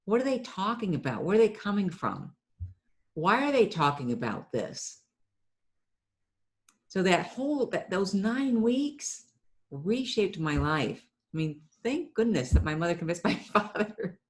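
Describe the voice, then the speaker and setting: Very animated and unhurried, a medium-pitched middle-aged woman from Ohio tells chatty stories as an interview guest about life running her marketing business. She often repeats a word as she starts over.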